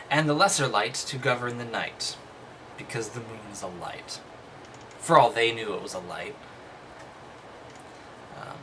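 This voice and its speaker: A man's voice: medium pitch, pushed and bright, slight background noise, rough recording. A man reading a text aloud and commenting casually, with dry, skeptical, dismissive asides. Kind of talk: casual commentary between read-aloud passages.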